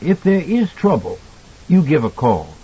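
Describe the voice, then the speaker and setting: A man voicing a kindly older hotel cook in an audiobook, folksy and earnest as he gently cautions a child. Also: on the high side, sing-song, unhurried, slightly rough, muffled recording, voice pushed up, exaggerated voice. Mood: warm, protective. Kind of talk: audiobook character dialogue.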